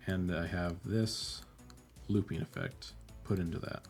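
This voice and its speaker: A very deep, low-pitched man's voice, somewhat breathy, with lively intonation. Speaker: video editing tutorial creator. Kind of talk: tutorial. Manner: fast.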